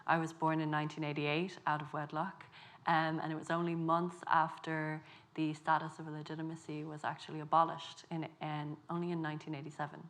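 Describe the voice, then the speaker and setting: A woman in her thirties with a Dublin accent, an author speaking on a festival panel in a measured, reflective way. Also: low voice, completely flat delivery, a bit bright. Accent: Dublin Irish. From Ireland. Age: 30s. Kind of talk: panel discussion.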